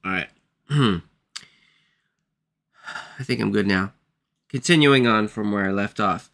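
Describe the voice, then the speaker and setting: A man who is sick and losing his voice, working through textbook math problems aloud in a halting, apologetic way. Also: fairly low pitch, vocal fry, sharp tone. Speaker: math tutor.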